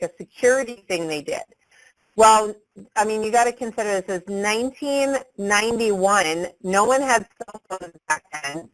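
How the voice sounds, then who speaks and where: A woman in her forties telling her own life story in a quick, chatty way, full of "like" and "right?". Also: medium pitch, fairly bright tone, poor audio. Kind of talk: personal storytelling.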